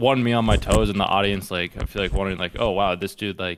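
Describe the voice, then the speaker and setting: Fairly low in pitch, a man talks at a fairly quick pace with vocal fry and fairly even intonation. The recording is very clean, with a silent background. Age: 20s. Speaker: podcast host. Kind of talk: casual chat. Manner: halting.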